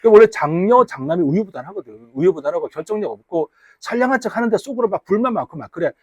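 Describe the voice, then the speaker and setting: A man from the Gyeongsang region teaches English to a class, joking and teasing his students as he goes. His voice is husky and a little high, and his pitch swings widely. The sound is dry and close, picked up on a wearable mic in a classroom. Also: animated, quick pace, a little mellow, dry recording. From Gyeongsang region, Korea. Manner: teasing, chatty, banters with students. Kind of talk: casual classroom lecture.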